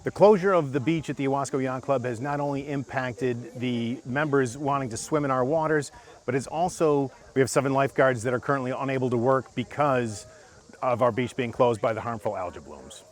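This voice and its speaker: A man's voice: medium pitch, fairly quick. A man giving an interview answer as head of a local club. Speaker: yacht club commodore.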